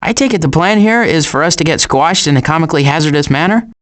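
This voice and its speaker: A man voicing a wry, wisecracking woodland animal in an animated video game. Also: fairly high pitch, quick pace.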